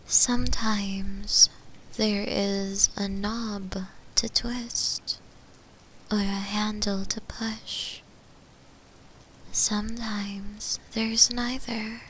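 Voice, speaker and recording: A woman voicing a possessive female shadow demon in a breathy, hesitant, musing whisper for an ASMR roleplay. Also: flat delivery, fairly bright tone, poor audio. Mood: musing, puzzled. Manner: slow, hesitant, musing, with pauses. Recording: close whisper with low rumbling noise.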